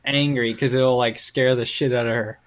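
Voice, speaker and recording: A man's voice: medium pitch, fairly even intonation, moderate pace, noisy background. A young man co-hosting a podcast from a pub, chatting in a laid-back way with casual swearing. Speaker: podcast co-host. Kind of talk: casual chat.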